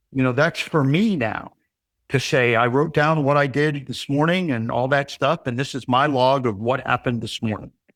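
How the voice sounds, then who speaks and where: A plain, everyday voice, moderately paced with ordinary pitch variation, captured in a very clean recording against a silent background. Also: man, medium pitch for a man. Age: 60s. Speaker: recovery program client. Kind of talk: interview testimony.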